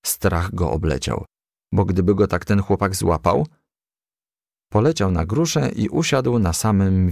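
A man narrating a children's storybook as a gentle, lively storyteller. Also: sits low, vocal fry, dry recording, studio quality.

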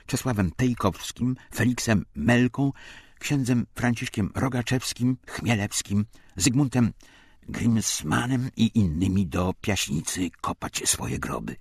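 A man reading a scripted documentary memoir as an audiobook narrator, with measured, formal and dramatic delivery. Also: deep voice, breathy edge, no echo.

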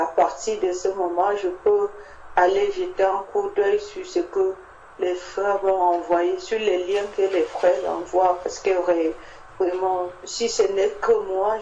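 A woman sharing an informal personal testimony at a church meeting, halting and repeating herself as she searches for words. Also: lowish voice, mellow. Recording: muffled, echoey, noisy group recording.

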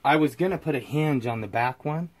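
A man's voice: medium pitch, expressive, fairly quick. Easygoing man chatting while he works. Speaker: homesteading channel host. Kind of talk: casual chat while working. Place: small metal-walled shed and outdoor yard.

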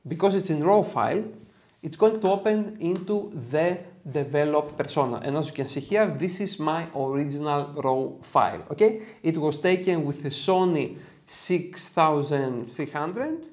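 A man's voice: fairly high pitch, moderate pace, darkish tone. Upbeat Greek-accented man teaching photo editing. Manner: upbeat and chatty, jokes about himself. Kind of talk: software tutorial with casual asides. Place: small home studio room with red lighting.

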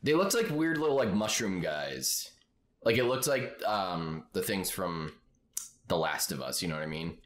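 A man's voice: low-pitched, expressive, normal speed, a bit bright. A young man joking and swearing while playing a co-op game with a friend, tossing in goofy pirate talk. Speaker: gamer. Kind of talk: casual co-op gameplay chat.

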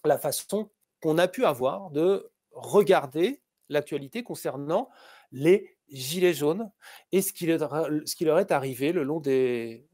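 A man's voice: a little high, lively intonation, a little slow, darkish tone, no room sound, studio quality. Hesitant male interviewer on a video call. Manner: hesitant, many filler sounds and restarts. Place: room with posters behind. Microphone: webcam on a video call.

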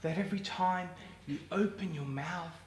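A man in his thirties performing a sarcastic, deadpan monologue in a studio. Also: sits high, moderate pace, echoey room, slight background noise. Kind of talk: acted monologue. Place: studio with plain grey backdrop.

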